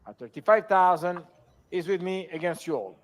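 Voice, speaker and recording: At a live sale, a male auctioneer with a strikingly high voice formally presents each lot. His bid calls come steadily and repetitively, in a measured auctioneer's cadence.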